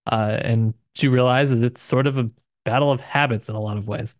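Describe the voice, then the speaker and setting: A man's voice: mid-range voice, steady tone, normal speed, no echo. Male co-host, medium register, informal and reflective literary chat, close dry sound. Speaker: podcast co-host. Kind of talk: casual literary discussion.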